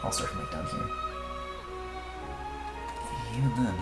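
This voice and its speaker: A man's voice: medium pitch, huge pitch swings, rapid-fire, roomy sound, over loud music. A young man streaming himself drawing, chatting casually, swearing and trailing off mid-thought. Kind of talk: casual chat while drawing.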